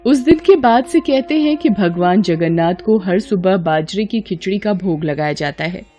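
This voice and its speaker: A woman tells a devotional folk tale in a steady, gentle narrating voice. Her pitch sits in an ordinary middle range, and she reads like a practiced storyteller. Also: normal speed, lo-fi sound. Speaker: storyteller voicing the women.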